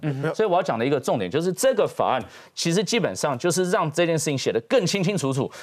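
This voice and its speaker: The voice rushes along very fast with vocal fry and very wide pitch swings. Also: man. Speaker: former diplomat and political candidate. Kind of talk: political talk show discussion.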